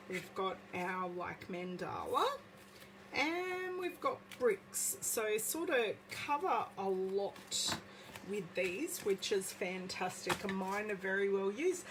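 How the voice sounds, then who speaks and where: An Australian woman with a slight croak in her voice, chatting casually with viewers during a live craft demonstration at home. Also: mid-range voice, lively intonation, extremely slow, background noise. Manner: chatty, greets viewers by name. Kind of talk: casual live-stream craft demo chat. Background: movie playing in background.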